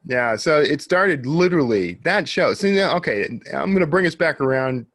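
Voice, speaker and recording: A man's voice: fairly high pitch, animated, moderate pace, a bit bright, no room sound, clean studio sound. A man hosting a podcast, chatting casually and informally with a guest. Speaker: podcast host.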